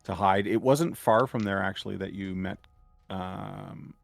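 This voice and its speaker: A man acting as game master on a streamed tabletop game, explaining with many pauses and fillers. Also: low voice, gravelly, no echo. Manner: hesitant, filler-heavy explaining.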